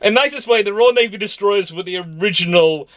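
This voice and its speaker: Casting: male history livestream host, higher register, emphatic and discursive, often rewording mid-sentence. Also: fairly quick, fairly bright tone. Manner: rambling, self-correcting. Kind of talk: casual live history discussion.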